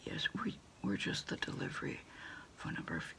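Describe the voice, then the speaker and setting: A woman doing a quiet ASMR roleplay as a food delivery order taker on the phone, whispery and soft-spoken, with hesitant, halting phrases. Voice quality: whispery, breathy, mostly unvoiced. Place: small dim desk corner indoors.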